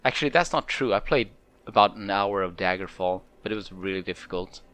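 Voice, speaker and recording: Low-pitched man giving casual game commentary. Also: brisk, a bit bright, no room sound. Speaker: gamer, let's play host. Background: game music.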